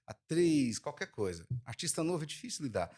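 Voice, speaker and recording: A middle-aged man with a Goiás accent, a podcast guest who tells stories in a lively way and acts out the dialogue. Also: fairly high pitch, a little fast, husky. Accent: Goiás Brazilian Portuguese. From Brazil, Goiás. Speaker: guest, music producer. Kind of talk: casual podcast chat.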